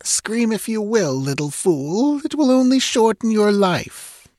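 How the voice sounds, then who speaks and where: A man's voice: high-pitched, sing-song, a little slow, a little mellow, no echo, clean studio sound, voice pushed up. A man voicing a cruel, imperious young woman with a cool, haughty, menacing manner in a fantasy audiobook. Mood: taunting, cold. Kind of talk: dramatised audiobook reading of pulp fantasy.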